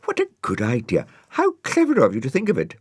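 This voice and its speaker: A man's voice: sits high, wildly swooping pitch, moderate pace, no echo, studio quality, pitched above the performer's own voice, exaggerated voice. A man voicing a cheerful, polite little girl in a storybook reading, with eager, exclaiming lines. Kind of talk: storybook character voice.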